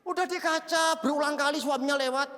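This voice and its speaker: A male pastor preaching an animated sermon full of stories, acting out shouted prayers and laughing at himself. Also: very high-pitched, fast talker. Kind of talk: sermon with storytelling. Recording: long reverb of a large hall.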